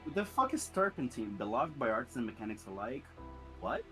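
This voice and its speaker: A man's voice: medium pitch, sing-song, fairly quick, fairly bright tone, faint music behind. A man co-streaming a game, trading wisecracks, swearing and asking puzzled questions. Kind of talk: casual let's-play banter.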